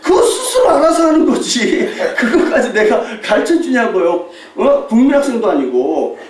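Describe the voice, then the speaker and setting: A male pastor preaches with a high, swooping voice, acting out the people in his stories and laughing as he goes. He sounds distant from the mic, with the echo of a large church hall around him. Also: moderate pace, slight background noise. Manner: animated storytelling, mimics shouting tourists, laughs often. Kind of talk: sermon with mission report. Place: church sanctuary.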